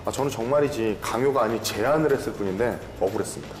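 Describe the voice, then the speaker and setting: A man on a career advice panel who reads a listener's letter, then tells his own stories in an animated way. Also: on the low side, quick pace, big-room sound, soft background music. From Korea, moved around the country as a child. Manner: animated storyteller who slips into a dialect when excited. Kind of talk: reading a letter, then casual panel chat.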